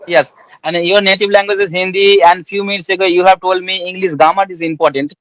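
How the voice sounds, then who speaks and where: Polite Bengali-accented man, high voice. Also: flat delivery, brisk, a bit bright, rough recording. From West Bengal, India. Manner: polite, formal questions, says "ma'am". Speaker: interviewer. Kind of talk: conversation practice interview.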